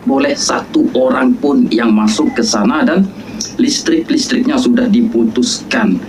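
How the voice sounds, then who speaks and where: A man's voice: medium pitch, unhurried, a little mellow, a little hiss or hum, rough recording. A man with an Indonesian accent giving casual video commentary, chatty and speaking straight to his viewers. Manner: chatty, addresses viewers as "geng".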